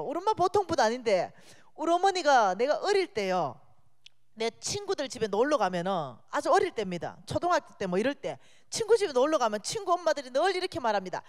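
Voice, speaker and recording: Lively high-voiced woman preaching. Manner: animated, chatty and joking with the congregation. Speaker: guest speaker at a church. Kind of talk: sermon. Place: church sanctuary. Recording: long reverb of a church hall.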